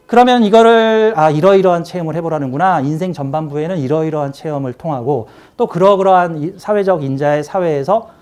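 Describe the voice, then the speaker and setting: A man's voice: a little high, a little mellow. A man teaching a saju class, explaining a chart with emphatic, repetitive pointing phrases. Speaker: saju lecturer. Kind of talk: classroom lecture.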